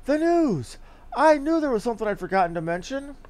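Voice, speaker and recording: A man voicing a small, excitable young female helper from a fantasy game, in a theatrical, effusive manner. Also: very high-pitched, fairly quick. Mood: alarmed, gossipy. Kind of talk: reading game dialogue in character.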